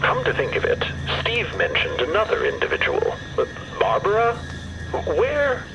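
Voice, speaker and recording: A polite curious robot, kinda high, super swoopy voice, very proper, loud music behind. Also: male voice, wildly swooping pitch, normal speed, dull audio, full character voice. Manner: precise, mannered, courteous. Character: polite, curious male robot with metal head. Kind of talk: audio drama character acting. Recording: voice under loud background music.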